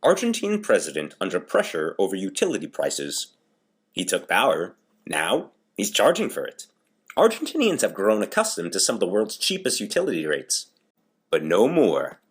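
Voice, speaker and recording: A man's voice: deep voice, wildly swooping pitch, moderate pace, husky. A man reading scripted news briefs as a voice-over artist in an audition.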